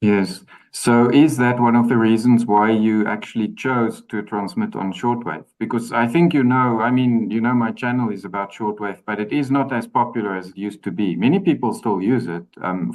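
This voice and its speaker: A man hosting a conversational interview in a measured way, thinking aloud as he frames his questions. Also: fairly low pitch, a little mellow, low-quality recording. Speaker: interviewer, shortwave channel host.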